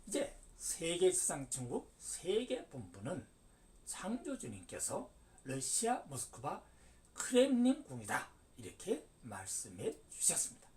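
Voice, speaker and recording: Heard through a far-off microphone, an elderly man in his seventies lectures on religion with emphatic, sudden rises and falls. His tone is darkish, his pitch a little high with huge swings, and he speaks a little slowly.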